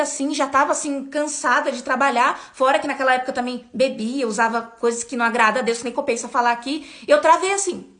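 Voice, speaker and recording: A woman in her twenties with a Brazilian accent, telling a personal faith testimony as a church member, with animated storytelling and repeated words. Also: very high voice. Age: 20s.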